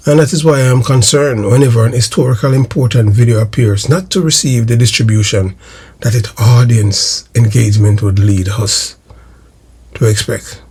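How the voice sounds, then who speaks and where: A man's voice: medium pitch, gravelly, darkish tone, slightly rough. A Jamaican man delivering emphatic political commentary to his viewers in a declamatory way, repeating phrases for emphasis. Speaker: host of a political history video channel.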